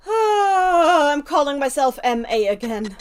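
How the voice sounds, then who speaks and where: A woman's voice: high voice, big pitch swings, drawn-out words. A young woman in her twenties with a German accent, a native German speaker, chatting casually with viewers while playing a game on a live stream. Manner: chatty, answering viewer chat mid-game.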